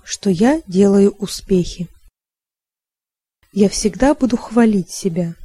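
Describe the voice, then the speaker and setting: Slow, husky-voiced woman reading calmly. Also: medium pitch, dry recording. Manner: slow, deliberate, calm reading. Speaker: reader of a learning text. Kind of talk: scripted reading of a language-learning manifesto.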